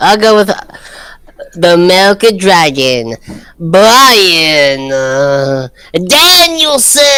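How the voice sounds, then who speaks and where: In a strained, put-on character voice at a middle pitch, the speaker goes very slowly with long, frequent pauses and very wide pitch swings. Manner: grunting, straining.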